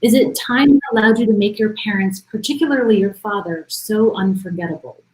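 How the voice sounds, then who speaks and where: A woman's voice: mid-range voice, fairly quick, rough recording. A woman acting as moderator, reading audience questions aloud to the guests.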